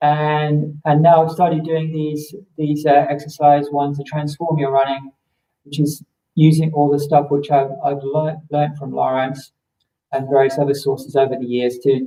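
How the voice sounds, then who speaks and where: With a British accent, a man talks at a fairly high pitch and a moderate pace. His intonation is monotone and flat. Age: 60s. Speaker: running coach. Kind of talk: live online workshop talk. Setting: live online event. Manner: halting, repetitive.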